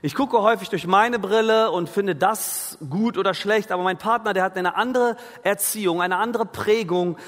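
A man's voice: sits high, moderate pace, few pauses, fairly bright tone, big-room sound. A man preaching a sermon in an earnest, conversational way, asking the listeners questions. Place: free church hall.

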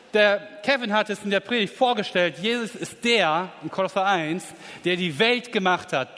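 Emphatic preacher in a reverberant hall. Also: male voice, sits high. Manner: emphatic, rising to excited peaks. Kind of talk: sermon.

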